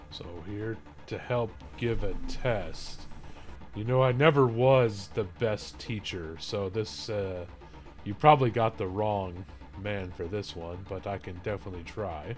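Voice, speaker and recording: Using a put-on character voice, a man talks at a fairly slow pace in a fairly low pitch, with long, frequent pauses over clear background noise. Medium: actual play. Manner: polite, uncertain, self-deprecating.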